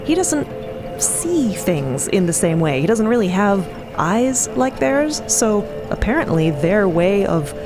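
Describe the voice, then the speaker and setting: A woman's voice: mid-range voice, big pitch swings, slow, music in the background. A woman narrating scripted audio fiction as one of its storytellers. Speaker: narrator and co-host.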